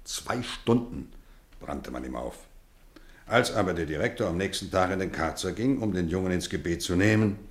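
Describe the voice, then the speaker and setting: An actor playing a kindly, playfully stern middle-aged housemaster in a German radio play, measured and theatrical. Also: male voice, deep voice, animated, reverberant. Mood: wistful, reflective. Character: kindly, playfully stern boarding school housemaster, grown man.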